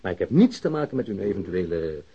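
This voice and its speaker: A slippery male gangster in a radio drama, all evasive innocence. His very low voice is strongly husky and swoops expressively, with hesitant, smooth talk. The recording sounds slightly dull. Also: big pitch swings, fast talker, dark tone, heavily acted. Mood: feigned innocence. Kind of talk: Dutch radio drama acting.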